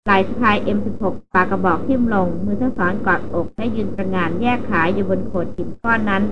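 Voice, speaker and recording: A woman reads a jungle adventure novel aloud in a steady, even way. Her voice comes through dull and muffled, and a clear hiss runs under it the whole time. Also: mid-range voice, fast talker. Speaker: audiobook narrator. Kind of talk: novel narration.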